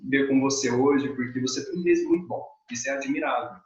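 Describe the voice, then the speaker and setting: A man's voice: mid-range voice, wildly swooping pitch, fast talker, roomy sound, highs cut off, a crowd in the background. Brazilian man interviewing over a video call. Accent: Brazilian Portuguese. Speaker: interviewer, channel host.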